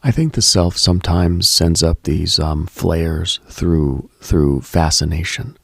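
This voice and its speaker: A man hosting a late-night radio show, giving a slow, contemplative monologue with halting pauses in a husky, gravelly voice, close on the mic. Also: low voice, no echo. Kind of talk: reflective late-night spiritual monologue, ASMR-like.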